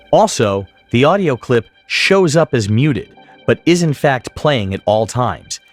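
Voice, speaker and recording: A man giving scripted software tutorial narration as an instructor, speaking in a precise, explanatory way. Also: mid-range voice.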